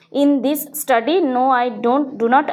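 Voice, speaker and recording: The woman's voice is high in pitch, with fairly even intonation. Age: 20s. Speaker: YouTuber. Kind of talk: tutorial. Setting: studio.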